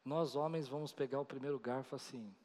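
Pastor preaching in a big hall. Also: male voice, mid-range voice, a little fast. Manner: animated storytelling, acting out quoted voices. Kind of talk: sermon. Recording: long reverb of a large hall.

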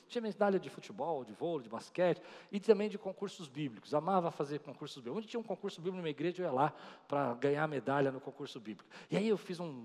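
A male pastor delivers a lively sermon, moving between stories and lessons and acting out the voices of the people in them. His voice sits a little high for a man. It rings out through the long reverb of a large hall. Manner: animated storytelling, acting out quoted voices.

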